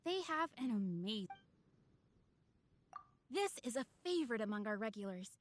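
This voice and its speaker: A woman's voice: fairly high pitch, very animated, moderate pace, slight background noise. A woman playing a polite, attentive young waitress in an anime video game, explaining things in a service manner. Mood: polite, explanatory.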